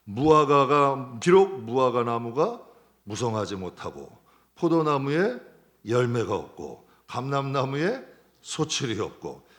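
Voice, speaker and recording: A man preaching a sermon as pastor, asking the congregation questions and answering them himself, dropping to quiet low lines and then rising into loud impassioned stretches. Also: big pitch swings, unhurried. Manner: stretches out lists word by word for emphasis.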